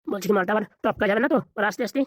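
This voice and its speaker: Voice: medium pitch, very fast, no echo, studio quality, voice pushed down, natural voice. A voice artist voicing a lazy police officer and his constable in a cartoon. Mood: scheming.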